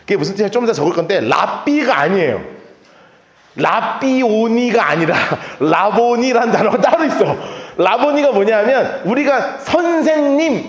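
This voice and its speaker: Animated high-voiced pastor in an echoey hall. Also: male voice. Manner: animated, lively storytelling with acted-out quotes and laughter. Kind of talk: sermon. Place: church sanctuary. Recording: echoey church hall with long reverb.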